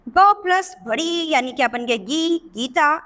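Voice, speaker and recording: A woman teacher patiently explaining vowel signs to young children, often asking questions and drawing out sounds slowly. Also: sits high, lively intonation, fairly bright tone, big-room sound. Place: teaching video voice-over.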